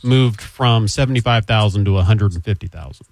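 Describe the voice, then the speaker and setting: A man's voice: fairly low pitch, a little fast, a little mellow, no echo. Man, radio host, easygoing banter, dry studio sound. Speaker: radio show host, attorney. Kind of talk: radio call-in show.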